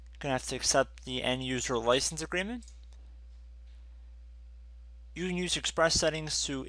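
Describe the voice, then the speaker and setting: A man's voice: medium pitch, sharp tone, no room sound. A man narrating a screen-recorded computer tutorial, casually walking viewers through each step.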